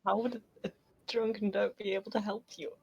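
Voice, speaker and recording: A woman's voice: mid-range voice, fairly even intonation, brisk, creaky, a little mellow, slightly rough, dry recording, lo-fi sound. A woman bantering casually at a tabletop game in a dry, sassy way.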